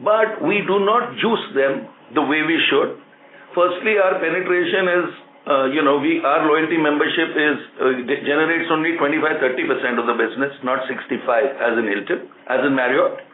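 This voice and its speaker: A company executive, a man, explaining things deliberately and point by point as he answers questions on an earnings call. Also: on the high side. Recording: tinny phone line, roomy echo, some noise.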